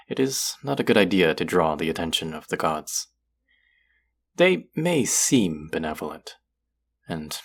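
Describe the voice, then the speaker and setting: A man acts out a guarded god of the underworld in an intimate audio roleplay. The voice is very low and gravelly, with formal, wry phrasing that hides a soft, lonely streak. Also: exaggerated voice. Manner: formal, wry, guarded, addressing the listener directly.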